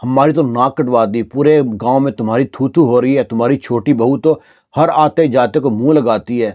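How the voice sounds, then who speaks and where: A man's voice: mid-range voice, a little mellow, lightly acted. A man voicing scolding village gossip women. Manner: scolding, accusing.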